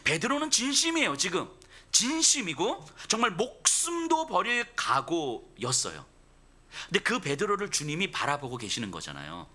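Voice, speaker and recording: A man's voice: sits high, huge pitch swings, normal speed, bright, forceful tone. A male pastor delivering a sermon expressively, acting out the dialogue of the figures in his story.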